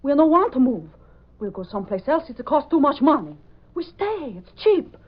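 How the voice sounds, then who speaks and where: Brief: stubborn immigrant mother, broken English, high and swooping, lo-fi old radio. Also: very animated, moderate pace. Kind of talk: 1930s radio drama acting. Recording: lo-fi 1930s radio recording.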